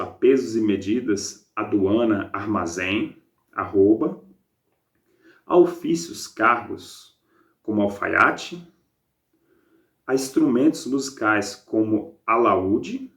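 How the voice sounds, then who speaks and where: Calm male teacher in a roomy echo. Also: mid-range voice. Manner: explains calmly, reads passages aloud, fills pauses with "é". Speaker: teacher reviewing a book. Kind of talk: book review lesson with read-aloud passages.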